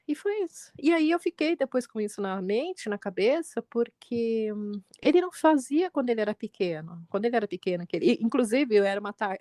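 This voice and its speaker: A woman in her forties, a mother co-hosting a podcast, telling a family story in lively chat and jumping up in pitch when she quotes people. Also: no room sound, clean studio sound. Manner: animated retelling, quotes her son with pitch jumps.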